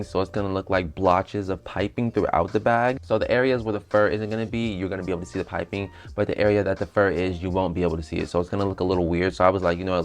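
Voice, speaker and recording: A young man with a very low voice that is temporarily raspy, talking casually to camera as he works. He explains each sewing step in a chatty, relaxed way. Under the rasp his voice carries smooth and resonant. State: raspy voice after a night out. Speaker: bag designer.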